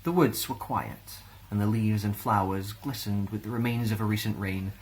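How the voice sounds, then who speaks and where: Male storyteller, Scottish, low voice, gentle and expressive reading of children's fantasy. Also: normal speed, poor audio. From Scotland.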